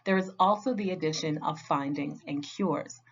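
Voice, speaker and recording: A woman giving a scripted training narration as a compliance trainer, speaking in a clear, measured, instructional way. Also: sits low. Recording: dull lo-fi audio.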